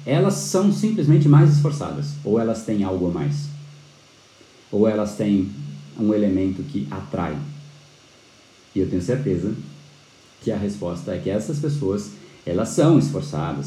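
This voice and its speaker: Male instructor, low and warm, animated live-class delivery with a roomy echo. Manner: animated, frequent tag questions, restarts. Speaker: persuasion course instructor. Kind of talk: live-streamed lecture.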